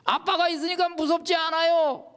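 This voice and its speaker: A man voicing a small child who pleads sweetly with his daddy, in a high cooing tone. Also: steady tone, normal speed, a bit bright, long reverb tail. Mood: sweet pleading.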